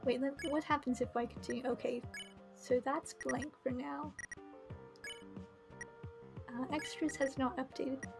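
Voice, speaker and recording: Woman, high voice, live streamer, casual game commentary, faint music behind. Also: steady tone, unhurried, vocal fry, pauses often.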